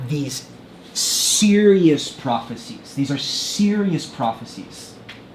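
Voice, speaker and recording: A man speaks at a very slow pace in a high voice, his pitch swinging very widely. Noticeable background noise sits behind him. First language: English (speaking Portuguese). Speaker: pastor, prophecy teacher. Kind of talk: lecture. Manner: code-switching, halting.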